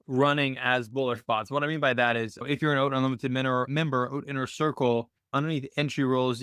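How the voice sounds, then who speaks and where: A man with a clean, smooth voice at a middle pitch hosts an informal question-and-answer session. He talks in a conversational, explanatory way, working through his thoughts out loud. The sound is dry, with very little room in it. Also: dry recording. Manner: conversational, explanatory, thinking aloud. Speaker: host of a trading Q&A call. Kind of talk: casual explanatory screen-share Q&A.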